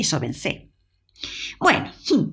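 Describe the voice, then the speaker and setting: A woman is speaking. She has a Chilean accent. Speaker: podcast host and storyteller. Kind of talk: scripted narration.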